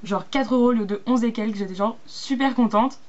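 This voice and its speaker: A young woman chatting casually through a beauty haul, with lots of fillers and quick asides. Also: a little high, highs cut off. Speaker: beauty vlogger.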